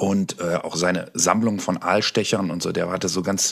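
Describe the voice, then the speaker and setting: Here is a man with a very deep, low voice. He talks at a moderate pace. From northern Germany, North Frisia. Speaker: actor and audiobook narrator. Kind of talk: casual chat.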